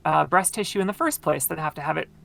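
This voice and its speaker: Woman with a very low, gravelly voice. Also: fast, sharp tone. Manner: thoughtful, explanatory, many fillers. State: tired voice from long talking. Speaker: podcast guest. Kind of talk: casual conversation.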